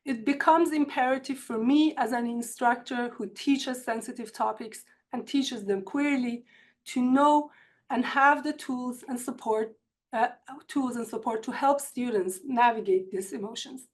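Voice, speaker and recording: A woman with an Iranian accent, a university instructor giving a measured, earnest prepared talk in an online seminar. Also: a little high. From Iran. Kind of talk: academic webinar presentation. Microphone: computer mic on a video call.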